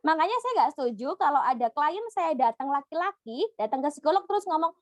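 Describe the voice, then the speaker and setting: Animated high-voiced woman psychologist. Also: brisk, no room sound. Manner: lively, acts out the voices of children and clients. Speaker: psychologist answering audience questions. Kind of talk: online Q&A talk. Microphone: video call.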